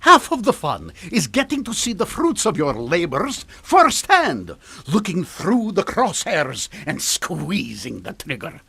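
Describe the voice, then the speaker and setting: A man's voice: high voice, wildly swooping pitch, unhurried, creaky, hardly any pauses, bright, forceful tone, husky, dry recording, exaggerated voice. A man playing an older mad scientist, droll and exasperated, lecturing with an air of superiority in a comedic radio drama. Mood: skeptical. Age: middle-aged. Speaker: voice actor. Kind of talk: comedic old-time radio drama acting.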